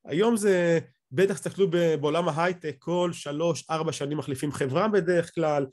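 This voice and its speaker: A man's voice: a little high, darkish tone. A middle-aged man with an Israeli accent explains things in an off-the-cuff lecture on a video call, often restarting his phrases. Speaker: academic lecturer. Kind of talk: explanatory lecture over slides, speaking off the cuff.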